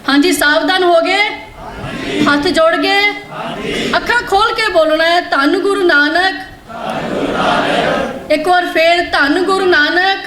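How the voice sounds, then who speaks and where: High-voiced woman lecturing in an echoey hall. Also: noisy background. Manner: quizzes the audience and urges them to answer louder. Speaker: guest speaker addressing students. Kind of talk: lecture with call-and-response. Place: large hall at a religious college. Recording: echoey hall with faint ambience.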